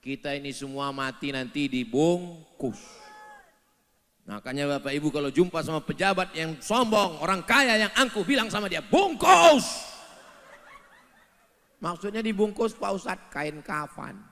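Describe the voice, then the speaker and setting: A high, bright-voiced preacher man in a big echoing hall. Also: moderate pace. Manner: jokes with the audience, acts out voices. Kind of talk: sermon with comic asides and sung verses. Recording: long hall reverb.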